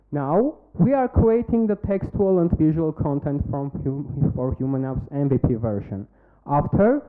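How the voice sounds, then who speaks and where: A man with an Armenian accent pitching a startup, then answering questions in halting English while searching for words. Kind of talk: demo day pitch and Q&A. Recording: phone-like narrow band.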